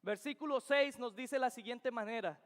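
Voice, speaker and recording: High-voiced preacher in a reverberant church. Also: male voice, normal speed, fairly bright tone. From Venezuela. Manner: earnest, emphatic, repeating key phrases. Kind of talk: sermon. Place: church sanctuary.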